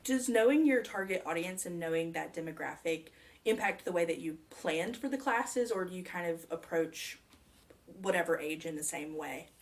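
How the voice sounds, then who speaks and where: A woman's voice: on the low side, lively intonation, normal speed. A woman working as a librarian, asking questions in an oral history interview in a library.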